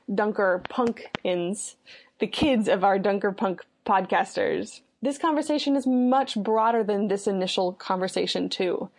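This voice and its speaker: A woman's voice: medium pitch, darkish tone. An American woman introducing a podcast conversation in a reflective, explanatory way as its host. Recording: clear background noise with clicks.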